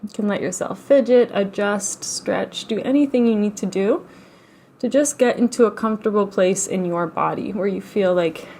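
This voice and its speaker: A woman leading a guided relaxation as a meditation teacher, speaking in a gentle, unhurried, soothing way with long pauses. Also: mid-range voice, slight background noise. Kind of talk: guided meditation, slow instruction.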